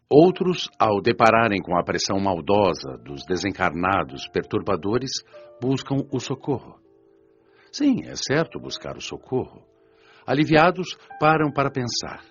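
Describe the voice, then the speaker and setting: A man's voice: on the low side, breathy edge, heavily acted. A man playing a patient, earnest father who teaches like a preacher in a radio drama, didactic and solemn. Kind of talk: audiobook radio drama, sermon-like lecture. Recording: dull lo-fi audio with music behind. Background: music.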